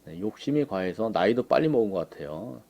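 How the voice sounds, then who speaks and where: A man giving unhurried political commentary on pictures. He fills his talk with frequent short affirmations. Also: on the low side, lively intonation, vocal fry, darkish tone. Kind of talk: casual commentary on images.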